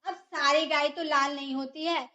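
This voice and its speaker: A woman's voice: high voice, steady tone, normal speed, bright, forceful tone, highs cut off. A woman teaching a grammar lesson, who explains step by step and asks and answers her own questions. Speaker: English teacher.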